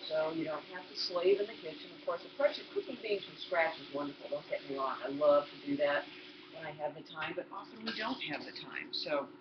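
A woman's voice: sits low, a little fast. Chatty older woman demonstrating a recipe. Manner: chatty, explains each step to the viewer. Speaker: cooking instructor. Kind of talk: home cooking demonstration. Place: home kitchen, indoors. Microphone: laptop built-in mic. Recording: roomy, dull lo-fi laptop sound with background noise.

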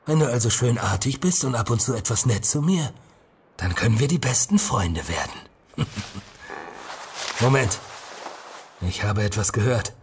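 A man's voice: medium pitch, animated, unhurried, pauses often, a little hiss or hum. An actor playing a callous, predatory man in a horror audio drama, speaking in a cold, domineering way. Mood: leering, menacing.

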